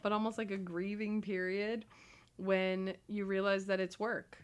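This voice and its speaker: A woman in her thirties co-hosting a casual marriage advice talk, agreeing often and filling pauses with ums. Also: mid-range voice, little pitch movement, clean tone. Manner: agreeable, frequent affirmations and ums. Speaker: podcast co-host.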